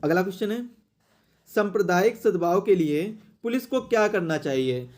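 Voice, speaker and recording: A man's voice: high-pitched, animated, normal speed, darkish tone. A man teaching an exam question-and-answer lesson, explaining and repeating phrases for emphasis.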